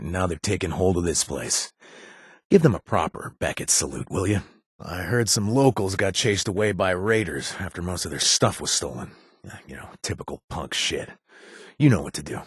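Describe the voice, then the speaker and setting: An actor playing a cocky, pun-loving male wasteland survivor who laughs at his own jokes, with a husky voice. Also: fairly low pitch, a bit bright, dry recording, heavily acted. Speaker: game companion character. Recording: dry studio voice-over.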